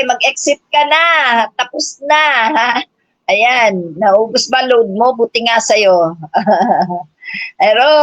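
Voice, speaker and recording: A woman's voice: sits high, dry recording. An older woman livestreaming a combative, mocking rant, cursing often, laughing, and calling her viewers brothers and sisters. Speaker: political livestream vlogger. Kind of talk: live-stream rant. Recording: dull lo-fi stream audio.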